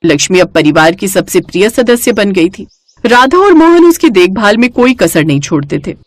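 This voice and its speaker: A woman narrating a cartoon moral story for children in a lively storytelling way. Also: medium pitch, normal speed, no room sound.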